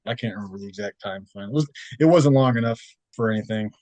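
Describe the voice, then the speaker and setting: A man's voice: lowish voice, fast talker, warm tone, no room sound, dull audio. A young man from Texas, a podcast guest chatting in a rambling, laid-back way with many fillers and restarts. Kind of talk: casual interview chat.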